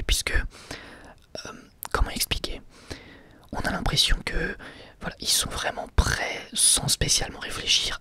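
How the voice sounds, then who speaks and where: A man giving a whispered ASMR review of an anime episode, soft and unhurried, full of hesitations and casual slang. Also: mid-range voice, breathy edge.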